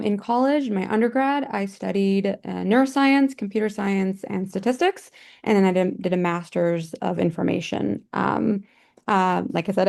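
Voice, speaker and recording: A woman's voice: mid-range voice, vocal fry, darkish tone. A woman introducing herself cheerfully on a video call panel. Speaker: panelist, product designer. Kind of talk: casual self-introduction.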